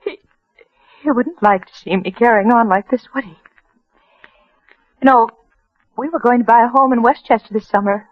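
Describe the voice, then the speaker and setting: An actress playing a tearful young widow who halts and rambles, in 1940s radio acting on a muffled old broadcast. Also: female voice, fairly high pitch, moderate pace, pauses often, no echo, lightly acted. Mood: grieving.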